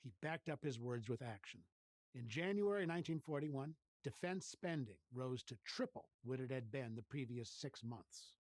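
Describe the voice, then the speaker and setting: A man's voice: mid-range voice, lively intonation, normal speed, darkish tone, dry recording. A man reading scripted documentary narration about the past in a composed, explanatory way.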